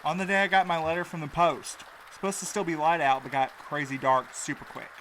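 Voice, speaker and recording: A man's voice: a little high, steady tone, a little fast, a bit bright, slight background noise, close to an everyday voice. An actor playing a sardonic, anxious and loyal young married man in an audio drama, with a blunt, snappy manner. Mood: uneasy.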